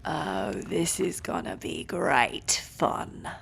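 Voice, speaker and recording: A woman's voice: low voice, big pitch swings, drawn-out words, creaky, a bit bright, slight background noise, pitched below the performer's own voice, full character voice. A woman playing a gleefully sadistic prison torturer in an audio roleplay, taunting and threatening. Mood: menacing glee. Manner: taunting, threatening, drops into whispers.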